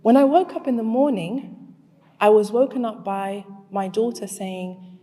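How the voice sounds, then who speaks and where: A woman in her forties gives a talk in a large hall, and her voice trails off into a long echo. She speaks at a middle pitch, draws the crowd in with hand-raising questions, and then shifts into telling her own story. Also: unhurried, mellow, soft background music. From Zimbabwe. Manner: engages the crowd with show-of-hands questions, then tells a personal story. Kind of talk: storytelling talk to a live audience.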